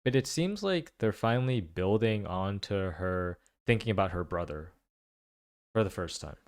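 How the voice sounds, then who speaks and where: A man giving casual reaction commentary, thinking aloud in halting phrases. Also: low-pitched, lively intonation, no echo, clean studio sound. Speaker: video commentator.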